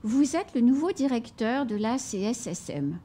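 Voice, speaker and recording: A woman interviewing a guest on TV, asking measured questions while she searches for her words. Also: on the high side, sing-song, dark tone, slight background noise.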